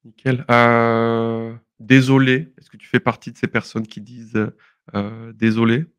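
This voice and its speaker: A man's voice: mid-range voice, level tone, measured pace, clean tone, no room sound. A young man from southwest France talks through everyday expressions in a casual podcast lesson. He explains patiently and breaks into laughter often. His tone stays friendly and conversational. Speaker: French teacher, podcast co-host.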